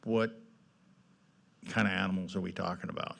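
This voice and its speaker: A man's voice: sits low, fairly even intonation, normal speed, creaky, a bit bright. A man serving as a council member, asking questions informally in a plain-spoken, rambling way.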